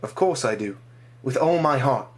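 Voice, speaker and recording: A man voicing a weary but kind soldier who speaks gently and coaxingly. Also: mid-range voice, animated, normal speed, natural voice.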